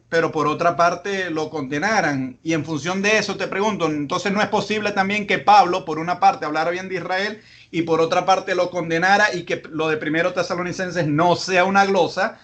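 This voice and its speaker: A man hosting an interview, asking long, measured, thoughtful questions. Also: sits high, fairly bright tone. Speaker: host interviewer.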